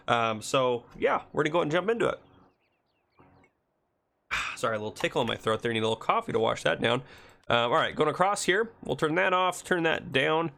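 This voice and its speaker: Gravelly, congested male host, rambling game commentary. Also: medium pitch, a bit bright. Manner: chatty, rambling, self-correcting. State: congested from a cold. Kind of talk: casual gameplay commentary.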